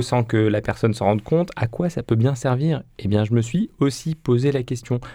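Lively intonation marks this man's speech. He has a medium pitch and a fairly quick pace. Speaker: radio show chronicler. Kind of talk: humorous radio chronicle. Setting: radio studio.

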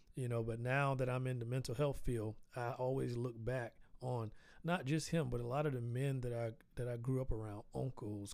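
With a Southern US accent, a man speaks at a medium pitch and with fairly even intonation. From US South. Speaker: podcast host and therapist. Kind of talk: solo podcast monologue. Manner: casual, conversational with filler words.

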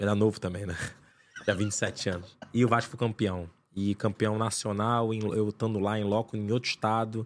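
A man speaks with a Carioca accent at a moderate pace. His fairly low voice comes through a very clean recording with a silent background. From Brazil, Rio de Janeiro. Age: 30s. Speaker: business executive. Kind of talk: casual chat. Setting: studio.

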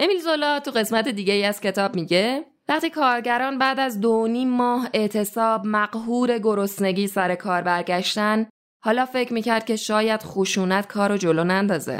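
Theatrical and intense in tone, a woman speaks at a moderate pace with ordinary pitch variation on a very clean recording with a silent background. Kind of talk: dramatic narration of book excerpt. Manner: theatrical, intense, impassioned delivery of a rousing speech; storytelling pace with dramatic emphasis.

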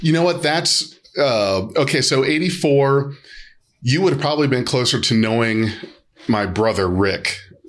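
At a fairly slow pace, a man with a fairly high pitch uses lively intonation and very even loudness, with audible room echo around him. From US Midwest. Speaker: podcast host. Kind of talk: casual chat.

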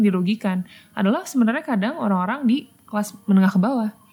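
Somewhat breathy and medium in pitch, a woman talks at a very fast pace with ordinary pitch variation. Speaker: podcast co-host and education activist. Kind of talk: casual interview conversation.

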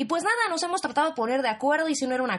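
An animated woman in a Mexican accent over a quiet background. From Mexico. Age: 20s. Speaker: podcast host. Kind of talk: casual interview.

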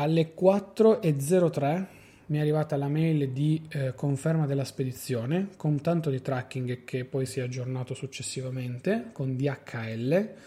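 A man's somewhat breathy voice, dark and mellow in tone, at a very slow pace. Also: fairly high pitch for a man, ordinary pitch variation. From Italy, Turin. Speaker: tech podcast host. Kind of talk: solo tech review monologue. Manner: hesitant, frequent repetitions.

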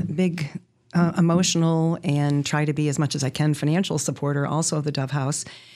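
A woman's very deep, low voice in an American accent, dark and mellow in tone, with fairly even intonation at a fairly quick pace, in a very clean recording over a silent background. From upstate New York. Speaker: real estate broker. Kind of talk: radio interview.

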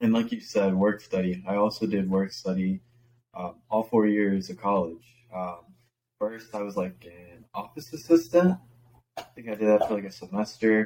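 In an ordinary speaking voice, a man with a fairly low pitch talks at a moderate pace, his pitch varying in an ordinary way while his loudness swings widely. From Azores, Portugal; immigrant to US. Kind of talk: casual interview chat.

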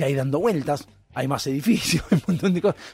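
Lively intonation from a man with a fairly high pitch. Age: 40s. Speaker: radio host. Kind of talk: casual radio monologue. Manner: fast.

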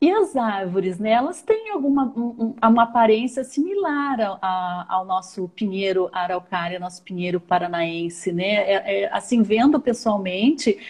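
A woman speaks at a medium pitch with lively intonation. Her voice is somewhat breathy, and her pace is fairly slow. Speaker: radio and online show host. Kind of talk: live interview show. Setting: remote live stream, away from studio.

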